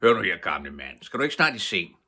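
A man voicing a proud, loud robber chief father in a storybook reading. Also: sits low, animated, heavily acted. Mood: gruff impatient.

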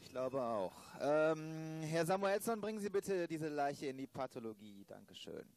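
A man acting an unhurried, wry older police inspector in an amateur radio play, formally polite. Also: on the high side, very animated, darkish tone, no room sound. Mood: measured, wry.

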